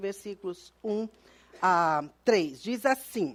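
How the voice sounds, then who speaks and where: A woman with a normal speaking voice, a medium pitch and lively intonation, in a very clean recording with a silent background. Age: 60s. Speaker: conference speaker. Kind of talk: sermon.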